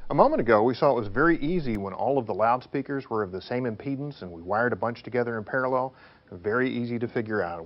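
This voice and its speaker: Man, instructor, didactic, animated pitch, question-and-answer explaining, step-by-step delivery, slightly lo-fi audio. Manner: didactic, emphatic, poses questions then answers them.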